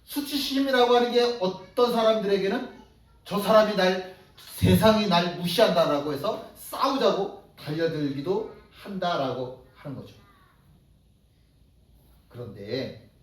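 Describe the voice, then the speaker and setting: A male pastor preaching a sermon in a lively way, acting out the voices of ordinary people as he goes. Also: high-pitched, a little slow. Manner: animated, acts out everyday voices in quotes. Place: church sanctuary. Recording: echoey church hall, distant mic.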